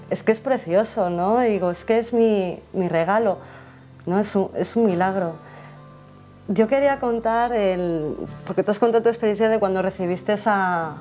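A woman's voice: medium pitch, a little mellow. A mother from Spain giving an earnest, reflective personal account, with frequent fillers and restarts. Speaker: interviewee, mother. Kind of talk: personal testimony.

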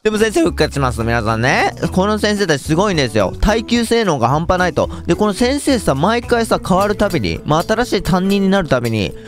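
Excitable young man playing a game. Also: high-pitched, fairly quick, hardly any pauses, faint music behind. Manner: excitable, jokey, talks to viewers. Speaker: gaming YouTuber. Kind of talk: game commentary.

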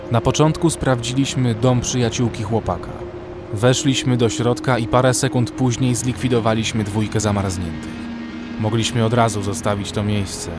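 A man narrating a horror story in the first person, scripted and dramatic. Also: on the low side. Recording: music behind the voice.

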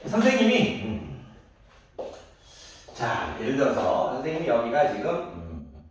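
A middle-aged man teaching a math lesson to young children. He refers to himself as the teacher and counts aloud slowly while drawing. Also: medium pitch, wildly swooping pitch, a little hiss or hum. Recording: echoey room, voice from a distance.

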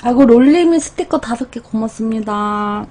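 A woman's voice: on the high side, lively intonation, normal speed, a little mellow. A young woman chatting casually with viewers as the host of an eating livestream from a small room. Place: small indoor room at home.

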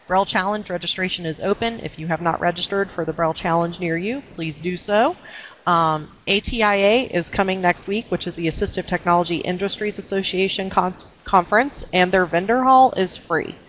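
A woman's voice: fairly low pitch, brisk, a bit bright, rough recording. A woman hosting a webinar, giving informal announcements to attendees over a video call. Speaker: webinar host. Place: indoor room, on a webcam video call. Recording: faint background noise on video call.

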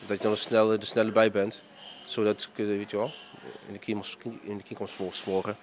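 A thirties restaurant owner speaks into a handheld reporter mic in his dining room for a news interview, hesitating and filling gaps with lots of fillers. His voice sits fairly low and stays completely flat at a moderate pace, with a slight hiss or hum on the recording.

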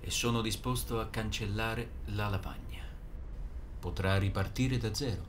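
Guy doing a cold govt agent in a movie dub, lowish voice, formal n condescending, noisy track. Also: fairly even intonation, a little slow, close to an everyday voice. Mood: persuasive, controlled. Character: cold, menacing male government agent interrogating a suspect. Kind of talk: Italian film dub acting. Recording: noisy fan dub over film ambience.

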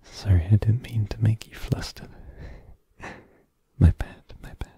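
Low, creaky, very dark voice with a breathy husk, a man acting as a laid-back young boyfriend, stumbling through "um"s and "like"s and slipping into playful teasing, ASMR roleplay. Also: slow, dull audio, exaggerated voice. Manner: hesitant, filler-heavy, teasing. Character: easygoing young adult boyfriend hosting friends.

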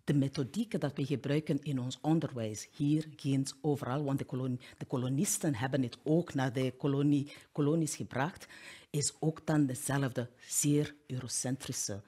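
A woman's voice: a bass voice, fairly even intonation, moderate pace, warm tone, slightly rough. A middle-aged woman giving a keynote talk to teachers, gesturing a lot and often restarting or repeating words as she searches for them. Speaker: keynote speaker. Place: studio in front of a plain backdrop.

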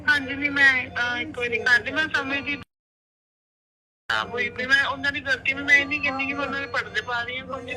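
A young woman speaks over a speakerphone, her voice very bright and fairly high. She talks hesitantly in flat, halting phrases, with faint music underneath. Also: low-quality recording. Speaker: caller.

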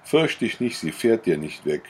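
A man's voice: low-pitched, sing-song, darkish tone, slightly rough, exaggerated voice. A man doing a shrewd old farmer. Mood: measured. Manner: deliberate, measured.

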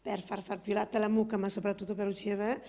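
A middle-aged woman speaking haltingly and conversationally in a panel discussion, into a handheld microphone on an auditorium stage. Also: mid-range voice, level tone, gravelly, dark tone. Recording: noisy hall with hum.

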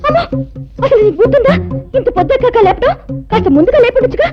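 An actress playing an impulsive, naive young wife who talks fast and excitably. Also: female voice. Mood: teasing. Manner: high, quick and excitable. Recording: dull film soundtrack with music.

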